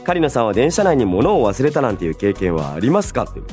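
Chatty young man with lively, swooping pitch. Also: quick pace, soft background music. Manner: chatty, musing aloud, polite but informal. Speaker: radio show host. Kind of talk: casual solo radio talk, reading and answering listener mail.

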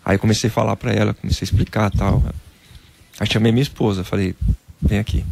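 Fast-talking gravelly Brazilian man. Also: fairly low pitch. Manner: animated storyteller, says "cara" often. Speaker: interview guest, former footballer. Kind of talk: casual storytelling interview.

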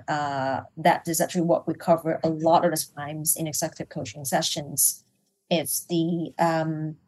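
A middle-aged woman from Hong Kong speaks as a guest in a business interview, her voice sitting a little low. She talks in a thoughtful, searching way, with fillers and restarts as she builds each point. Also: darkish tone, low-quality recording. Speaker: executive coach, guest.

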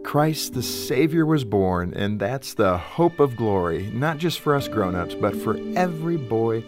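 A man giving an earnest, measured devotional Christmas reflection. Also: mid-range voice, very animated. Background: guitar music.

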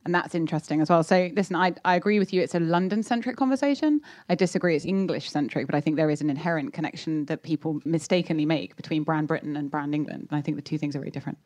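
A Scottish woman with a very low voice answers on a panel, frank and outspoken. The sound is close and dry. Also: very fast, hardly any pauses, darkish tone, no echo. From Scotland. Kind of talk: panel discussion.

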